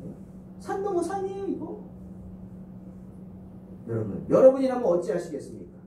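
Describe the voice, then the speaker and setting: A man's voice: very high voice, wildly swooping pitch, normal speed, dark tone, a little hiss or hum. Fervent male pastor in an echoey church. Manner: fervent, many rhetorical questions. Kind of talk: sermon. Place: church sanctuary. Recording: echoey church hall, distant mic.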